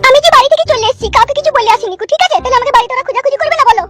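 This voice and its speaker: A woman voicing a fussy young wife in a cartoon, shrill and nagging with endless questions. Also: racing, faint music behind. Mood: curious. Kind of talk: cartoon voice acting.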